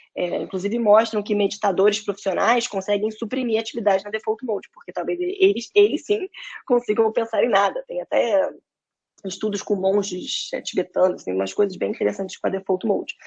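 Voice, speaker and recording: Pitch moves in an ordinary way. The words come at a fairly quick pace. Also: woman, fairly high pitch for a woman. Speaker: neuroscience researcher. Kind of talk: lecture. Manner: fast.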